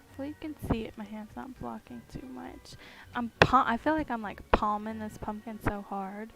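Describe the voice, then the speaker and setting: Groggy, gravelly woman streamer. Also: fairly high pitch, rough recording. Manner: giggly, rambling, humming to herself. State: groggy morning voice. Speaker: streamer carving pumpkins. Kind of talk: casual live-stream chat while crafting. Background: music playing in the background.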